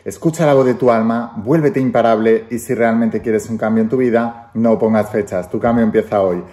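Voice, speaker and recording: A man's voice: fairly low pitch, fairly even intonation, fairly quick, dark tone. Emphatic preachy man. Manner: emphatic, preachy, repeats phrases for effect. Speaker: motivational speaker. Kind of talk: direct-to-camera motivational talk. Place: indoor room with wooden ceiling and windows. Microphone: phone camera held close.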